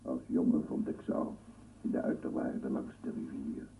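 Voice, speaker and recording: An actor playing a dreamy, secretive, gentle man in a radio drama, musing in hesitant fragments. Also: very deep voice, steady tone, normal speed, slight background noise. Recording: distant, phone-like archive radio recording.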